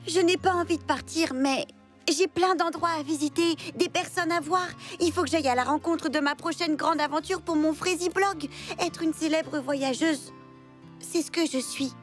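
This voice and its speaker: A woman voicing a restless, self-doubting young girl adventurer, lively and earnest, in a French cartoon dub. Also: high-pitched, moderate pace, faint music behind, close to an everyday voice. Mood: wistful. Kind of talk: French animated series dub.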